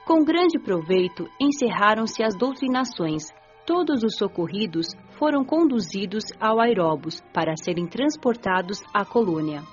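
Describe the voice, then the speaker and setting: A woman narrating a scripted first-person radio novel in a measured, earnest storytelling manner. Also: medium pitch, lo-fi sound. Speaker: audiobook narrator. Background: music.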